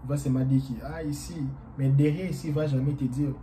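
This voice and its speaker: A man whose first language is Portuguese, talking casually to his viewers as a YouTuber in a rambling, halting way with many fillers. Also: mid-range voice, steady tone, noisy background.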